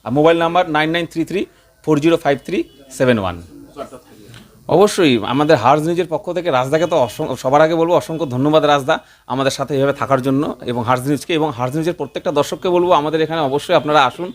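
A man with a West Bengal Bengali accent giving an emphatic, repetitive promotional sales pitch as a showroom promoter. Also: racing. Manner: emphatic, repetitive listing of offers.

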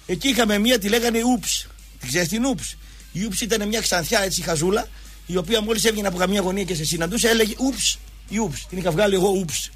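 A man's voice: high voice, slightly rough, soft background music. A man hosting a sports show, telling casual anecdotes and acting out the dialogue. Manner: animated, acts out dialogue in quotes.

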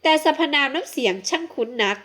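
A woman narrating a romance novel she wrote, in a smooth, expressive storytelling manner. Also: high voice, fast. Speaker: audiobook narrator and writer.

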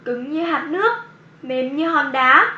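A very high, bright small child pupil, curious and excitable. The cartoon voice is chirpy and polite, with a roomy, dull sound. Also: female voice, a little slow. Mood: thoughtful, eager. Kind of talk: children's educational cartoon dialogue.

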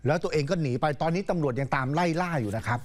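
A man's voice: on the high side, lively intonation, very fast. A man anchoring a news program, telling the story in a casual, chatty way with polite particles.

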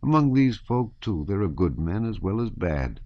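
A man's voice: fairly low pitch, sing-song, unhurried, pitched above the performer's own voice. A man voicing a small, kindly Russian peasant soldier who talks in a tender, caressing sing-song. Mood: tender, consoling. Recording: dull, roomy audiobook recording.

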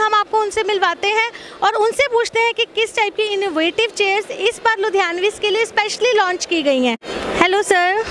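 High-voiced upbeat woman TV reporter. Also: fairly bright tone, slight background noise. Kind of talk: expo stand interview and piece to camera. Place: busy indoor expo hall. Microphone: handheld mic.

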